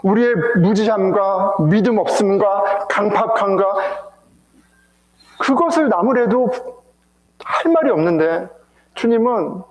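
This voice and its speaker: A man's voice: high voice, slow pace, reverberant, rough recording. A male pastor preaching an emotional sermon with rhetorical questions to his congregation, in a church sanctuary.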